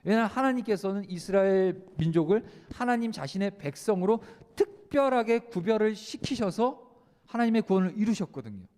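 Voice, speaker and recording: A man preaching a sermon to a high school youth group in a conversational way, often asking questions and answering them himself, with frequent "uh" fillers. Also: animated, brisk, darkish tone. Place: church sanctuary. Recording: long hall reverb.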